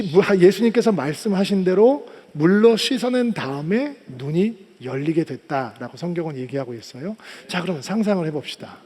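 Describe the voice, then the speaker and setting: A male pastor preaching a sermon, acting out the people in his story with raised voices, then dropping low and soft for a closing prayer. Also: in a large hall. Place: church sanctuary.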